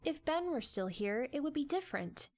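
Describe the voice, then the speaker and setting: Lively, high-voiced woman narrating a story. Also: normal speed. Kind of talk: dramatic audiobook-style scripted narration.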